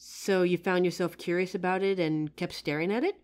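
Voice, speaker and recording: A woman's voice: lowish voice, lightly acted. A woman playing a friendly, curious psychic who helps out in a costume shop, chatting expressively to the listener in a roleplay audio drama. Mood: encouraging. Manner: chatty, expressive, with pauses and soft laughs. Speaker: voice actor. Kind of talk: roleplay audio drama, one side of a chat addressed to the listener.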